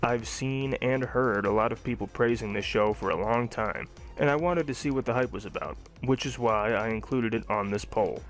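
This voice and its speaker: A man's voice: mid-range voice, normal speed, hardly any pauses, soft background music. A young adult man narrating a scripted cartoon review.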